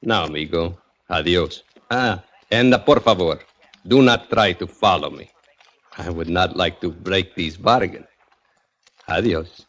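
An actor with a Mexican Spanish accent playing a calm, grinning hired knife killer in an old radio drama. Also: male voice, sits low, a little slow, a little hiss or hum. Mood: calm menace. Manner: calm, matter-of-fact, chuckling menace. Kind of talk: 1940s radio drama acting. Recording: dull lo-fi old radio recording.

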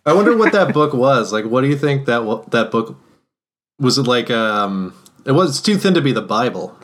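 A man's voice: mid-range voice, big pitch swings, normal speed, fairly bright tone. A man of thirty co-hosting a casual podcast, wry and musing. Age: 30s. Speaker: podcast co-host.

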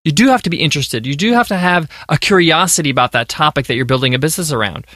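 An American man in his thirties delivers an emphatic, motivational monologue of business advice. His voice sits high and bright and swings widely in pitch. The recording is dry, with no room sound. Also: animated, very fast, no echo. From United States. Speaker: podcast host.

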